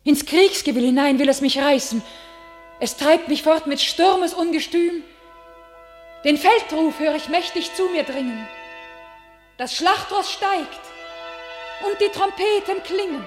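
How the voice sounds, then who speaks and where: High-voiced, impassioned young heroine. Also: female voice, unhurried, long pauses, faint music behind. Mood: exalted. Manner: declamatory, solemn verse delivery. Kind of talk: German classical stage-style radio drama acting.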